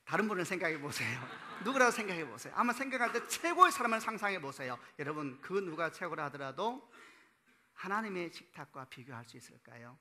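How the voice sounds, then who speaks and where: Bright-voiced Korean pastor preaching. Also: male voice, on the high side, sing-song, brisk, slight background noise. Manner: conversational storytelling with rhetorical questions to the congregation; laughs at his own stories. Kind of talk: sermon. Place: church sanctuary.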